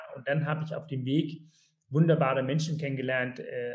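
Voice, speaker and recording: Intonation stays fairly even in this somewhat breathy voice. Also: man. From Sri Lanka, moved to Germany as a child. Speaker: heart surgeon and book author. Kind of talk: interview. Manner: hesitant, many fillers.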